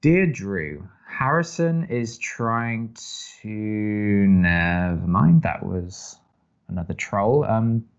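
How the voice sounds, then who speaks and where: A man acting as a young college radio co-host, dry, skeptical and sarcastic, with halting delivery in an audio drama. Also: fairly low pitch, lively intonation, smooth, muffled recording, heavily acted. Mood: awkward, flustered. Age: young adult. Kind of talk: naturalistic audio drama banter.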